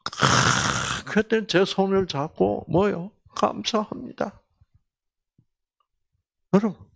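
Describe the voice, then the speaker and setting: A man, a doctor, giving a faith-based health lecture: he tells a story with sudden loud jumps, quizzes the audience with constant questions, and drops to a whisper to act out quoted lines. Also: mid-range voice. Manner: acts out quoted speech and drops to whispers for effect.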